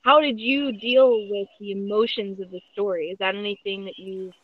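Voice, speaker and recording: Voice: mid-range voice, steady tone, normal speed. Dull lo-fi podcast host, casual chat. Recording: dull, lo-fi voice recording.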